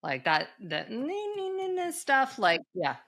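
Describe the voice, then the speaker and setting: A woman's voice: high voice, wildly swooping pitch, very slow, a bit bright. A middle-aged woman as a podcast guest in casual chat, talking in a chatty way with many fillers.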